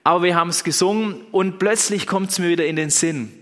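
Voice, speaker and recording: A young man from the Black Forest preaches as a pastor, phrasing deliberately with pauses in a reverberant hall. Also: high voice. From Black Forest, Germany. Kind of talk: sermon.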